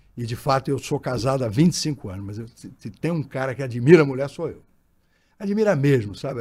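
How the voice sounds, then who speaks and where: A man's voice comes through somewhat breathy. His intonation is lively. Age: 60s. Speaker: politician and businessman. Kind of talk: interview conversation. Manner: animated.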